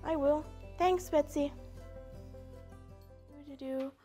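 A woman's voice: high voice, steady tone, slow pace, warm tone, faint music behind. A woman voicing a small, sweet, lost puppy dog in a puppet show, innocent and childlike.

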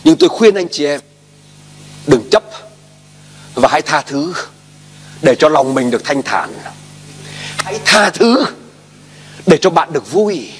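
A male pastor delivers an emphatic sermon in a high, very lively voice, firing off questions and calling for his listeners to repeat after him. His voice rings through a long hall reverb. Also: measured pace, long pauses, a little hiss or hum.

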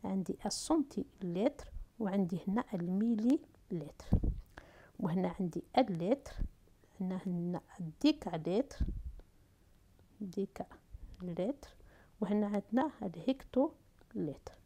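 A woman's voice: mid-range voice, lively intonation, warm tone, slight background noise. Woman teacher with an Algerian accent. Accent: Algerian Arabic. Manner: talks through steps slowly, asks and answers herself. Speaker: math and physics teacher. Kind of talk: whiteboard lesson for middle school.

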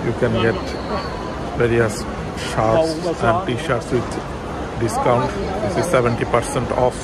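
Man narrating a walk through a busy mall. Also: mid-range voice. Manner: plain, halting descriptions of shops with fillers. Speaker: travel vlogger. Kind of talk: walking tour narration. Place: busy shopping mall, indoors. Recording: loud crowd and mall noise behind.

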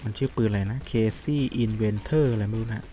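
A man giving casual, chatty commentary while playing a mobile shooter game, reacting loudly to the action. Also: lowish voice, a little slow. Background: game music.

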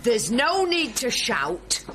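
An actress playing an indignant, sharp-tongued pub waitress in a television soap drama. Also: female voice, on the high side, very animated, slow. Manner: tart, indignant.

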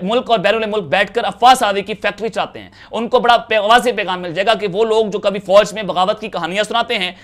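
A man's voice: high voice, a bit bright. A young man from Pakistan giving urgent political news commentary to a lapel mic, with many filler sounds. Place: home office with bookshelves.

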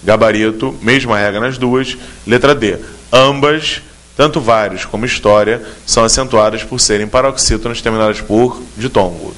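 A man's voice: lowish voice, normal speed, fairly bright tone. A man with a Brazilian Portuguese accent teaching a grammar question in an exam-prep video lesson, explaining step by step and speaking straight to the student. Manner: clear, methodical explanations addressing the student directly.

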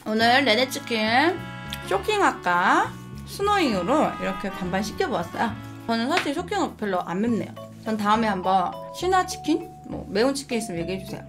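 A young adult woman runs an eating show, speaking briskly in a sing-song voice on the high side as she chats candidly and tells stories between bites. Quiet music plays in the background.

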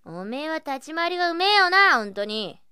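Brash, high-pitched tomboy brawler. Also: female voice, a little fast, no echo, clean studio sound, exaggerated voice. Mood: sulky, curious. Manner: rough, slangy, excitable speech with sudden swings. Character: brash, clumsy, tomboyish young woman brawler working as maid. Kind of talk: anime-style radio drama acting.

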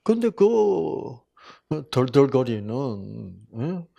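An older man gives a Bible lecture full of personal stories, his voice gravelly and husky. He talks slowly, and his pitch rises and falls a lot. He jumps from loud exclamations to quiet asides. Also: sing-song. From Korea (Busan). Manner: folksy storytelling, swings between loud exclamations and soft asides. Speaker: health seminar lecturer.

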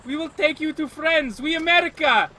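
A man playing an excitable foreign villager in a game, speaking loud broken English. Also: extremely high pitch, normal speed, a crowd in the background. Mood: cheering. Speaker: game player.

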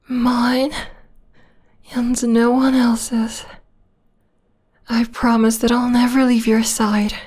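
Woman doing a yandere vampire girl for asmr, soft n breathy, kinda high, super slow, clingy and menacing. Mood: possessive, adoring. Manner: soft, breathy, intimate, lingering delivery with whispers. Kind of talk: ASMR roleplay.

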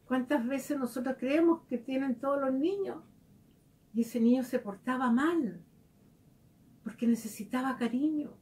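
A woman gives a devotional talk in a gentle, conversational way, often turning to her listeners with questions. Her voice sits a little high. She sounds set back from the microphone. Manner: warm, conversational preaching with direct questions to listeners. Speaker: teacher giving a devotional reflection. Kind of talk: spoken devotional reflection. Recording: voice heard from a distance.

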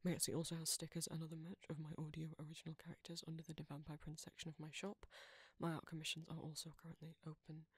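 A man, an ASMR creator, reading a scripted channel outro in a soft-spoken way. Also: on the high side, completely flat delivery, fast talker, few pauses, slightly rough, no echo.

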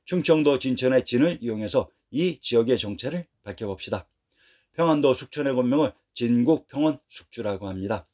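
A man narrating a scripted history lesson, reading dates and place names in a steady, measured way. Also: mid-range voice.

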